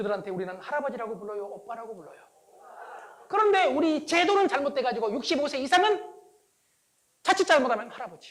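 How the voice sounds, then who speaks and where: A man talks at a very fast pace in an extremely high pitch with very wide pitch swings. His tone is animated, broken by long, frequent pauses. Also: big swings in loudness. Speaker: lecturer. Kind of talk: lecture. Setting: stage with audience.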